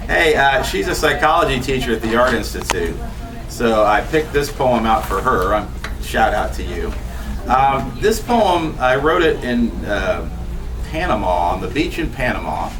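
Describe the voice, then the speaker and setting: A man's voice: medium pitch, sing-song, unhurried. Chatty man reading poems, far off. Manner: chatty, self-deprecating, many ums and laughs. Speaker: poet reading his work. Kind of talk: live poetry reading with casual asides. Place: bookstore event room. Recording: distant camera audio with room noise.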